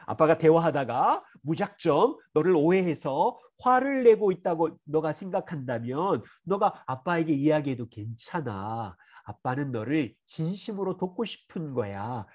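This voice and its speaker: Animated, high-pitched Korean pastor teaching. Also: male voice. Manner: earnest, acts out parent and child dialogue. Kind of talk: teaching a church parenting seminar.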